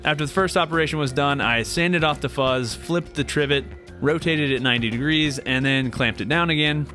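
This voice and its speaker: A man's voice: a little high, a little fast, bright, forceful tone, soft background music. A man in his thirties, host of a woodworking channel, plainly explaining each step of a build in voice-over. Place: home woodworking shop.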